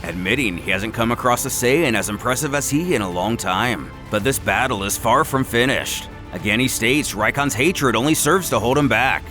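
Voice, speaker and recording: A man's voice: mid-range voice, normal speed, few pauses, bright, forceful tone, faint music behind. A man narrating a scripted action story in a dramatic, theatrical way, stretching words for emphasis.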